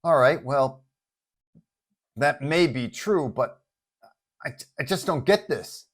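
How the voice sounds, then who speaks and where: Superhero boyfriend, played by a male narrator: raised pitch, stammering disbelief, indignant idealist in a story. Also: animated, takes it slowly. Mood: defensive. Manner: stammering, incredulous.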